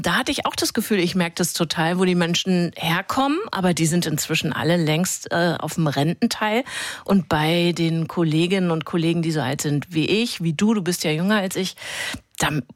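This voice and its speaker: A woman's voice: on the low side, dry recording, studio quality. A woman in her fifties from Hesse with a light Hessian accent, hosting a call-in radio talk and asking reflective questions. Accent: Hessian German. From Hesse, Germany. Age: 50s. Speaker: radio host.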